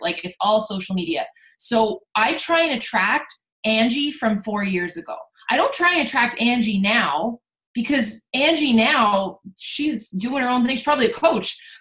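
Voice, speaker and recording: In a Canadian accent, a woman talks at a fairly high pitch with very wide pitch swings. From Canada, Ottawa. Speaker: fitness business coach. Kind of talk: online training presentation. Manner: fast; animated.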